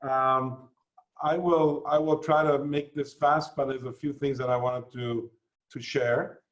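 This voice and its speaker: A man raised in Canada and the United States, giving a formal address as a guest speaker in a measured, explanatory way with fillers. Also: mid-range voice, steady tone, lo-fi sound.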